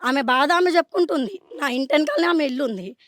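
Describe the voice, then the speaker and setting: A woman with a Telangana accent speaks in a street interview, angry and demanding, her voice high and gravelly. She talks at a rapid clip, recorded close and dry. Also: expressive, fairly bright tone, dry recording. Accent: Telangana Telugu. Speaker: resident facing eviction.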